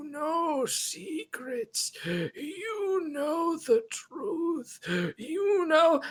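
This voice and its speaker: Someone uses a put-on character voice, high in pitch and very slow. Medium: actual play. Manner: doddering, querulous.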